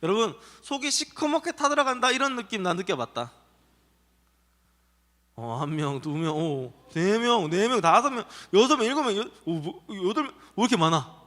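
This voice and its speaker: A man pastor telling a Bible story to children, animated and asking them questions. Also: high voice, normal speed. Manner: animated, asks children questions and acts out voices. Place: church children's worship hall. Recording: reverberant hall.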